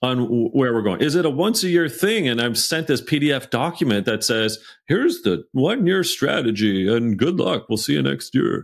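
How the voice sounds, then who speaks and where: A man with an ordinary speaking voice at a medium pitch, talking at a moderate pace with lively intonation and hardly any pauses. His loudness stays very even, and the recording is very clean with a silent background. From Canada. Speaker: author and keynote speaker. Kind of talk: casual interview.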